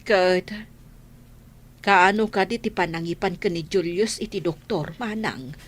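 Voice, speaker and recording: A woman's voice: lowish voice, a little slow. A woman voicing a caring adult daughter who talks earnestly with her mother in an audio drama.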